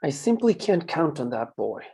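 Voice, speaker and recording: Guy reading as reserved well-off gentleman, dark husky voice, drama table read. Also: on the high side, big pitch swings, normal speed, heavily acted. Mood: irritated.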